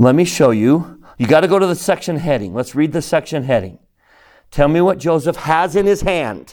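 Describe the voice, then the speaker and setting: A man's fairly high, animated voice with vocal fry and lively intonation at a moderate pace, in a very clean recording with a silent background. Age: 50s. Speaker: religion teacher. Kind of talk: lecture.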